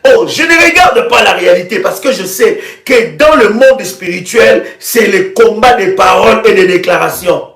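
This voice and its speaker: A man preaching in a live prayer broadcast, with fervent, repetitive declarations and bursts of shouting. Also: high voice, normal speed, vocal fry, few pauses. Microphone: live video stream. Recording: echoey room with soft music.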